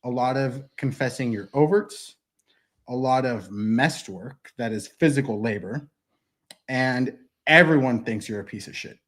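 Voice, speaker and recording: A man in his thirties, guesting on a casual interview, talks bluntly and emphatically and swears freely. His mid-range voice is fairly bright and a little slow. He's recorded on a desk mic in a wood-paneled studio.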